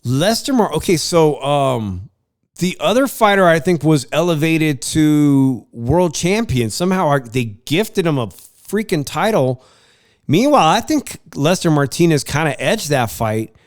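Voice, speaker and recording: A man's voice: on the high side, sing-song, a little slow, no echo, clean studio sound. A congested man hosting a sports podcast, chatting casually about baseball and boxing, rambling with many uhs and restarts.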